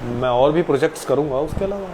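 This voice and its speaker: A man's voice: a little high, lively intonation, fast talker, background noise. A man in his late twenties, an actor, answering viewers' questions casually and politely on a live stream. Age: 20s.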